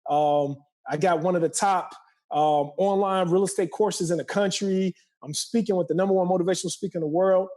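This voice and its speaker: High-pitched motivational man in his forties. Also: steady tone, fairly quick, mellow. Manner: emphatic, preacherly, repeating phrases for effect. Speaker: podcast guest, motivational speaker and entrepreneur. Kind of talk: motivational talk.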